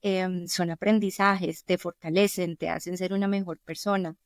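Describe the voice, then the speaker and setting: A woman's voice: fairly low pitch, steady tone, moderate pace, dry recording, clean studio sound. A middle-aged woman from Colombia with a Colombian accent, a podcast guest telling earnest personal stories in conversation. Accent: Colombian Spanish. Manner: earnest, anecdotal storytelling. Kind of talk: conversational interview.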